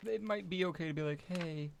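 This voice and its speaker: A man's voice: a little high, expressive, a little fast, vocal fry, fairly bright tone. A man bantering casually as a player in a tabletop game, on a noisy mic.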